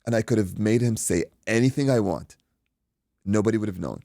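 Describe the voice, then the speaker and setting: Podcast guest, Iraqi-born man, deep and gravelly, animated storyteller who swears freely. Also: brisk, dry recording, studio quality. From Iraq. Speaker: guest, boxing coach. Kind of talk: casual storytelling.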